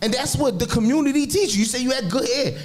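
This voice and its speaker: Very fast talk from a man with an American accent, with audible room echo and noticeable background noise. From Brooklyn, New York. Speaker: talk show co-host. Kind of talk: heated debate.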